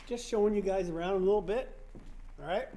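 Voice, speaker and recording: A man's voice: a little fast, dark tone, a little hiss or hum. Chatty man touring an empty school. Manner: chatty, addresses viewers as guys, low-key asides. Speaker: urban explorer vlogger. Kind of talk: casual walkthrough commentary. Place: empty abandoned school, large indoor halls and rooms.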